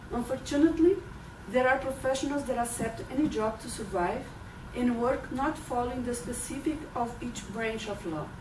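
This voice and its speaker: Amid noticeable background noise and audible room echo, a woman with a high pitch speaks at a moderate pace. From southern Brazil, Porto Alegre. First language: Portuguese. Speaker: lawyer, club speaker. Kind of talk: prepared club speech. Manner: halting, with fillers and restarts.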